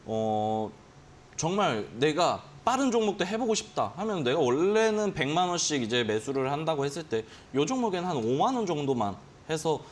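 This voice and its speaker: With a slightly high, sing-song voice and moderate pace, this man teaches day trading on a finance show from a broadcast studio, where slight background noise is audible. He goes on at length and voices his gut reactions as quoted exclamations.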